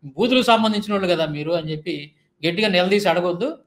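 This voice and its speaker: A man's voice: high-pitched, lively intonation, fast talker. A man giving a heated monologue rebuttal, firing off indignant rhetorical questions. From India. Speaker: Christian YouTube commentator.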